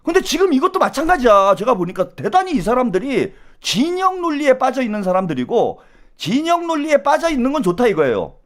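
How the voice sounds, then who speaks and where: A man hosting a live political stream, ranting angrily with coarse words and rhetorical questions, dropping to a low mutter and then rising to loud outbursts. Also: very animated, fairly quick. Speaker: political YouTube host.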